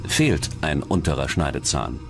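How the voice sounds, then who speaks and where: A man reading scripted true-crime documentary narration in a measured, serious manner. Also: very deep voice, sing-song, over music.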